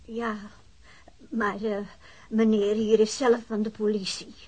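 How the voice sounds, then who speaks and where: An actress in a Dutch radio drama playing a timid, anxious older wife who speaks haltingly. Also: female voice, medium pitch, level tone, a little mellow, slightly rough. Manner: hesitant, halting.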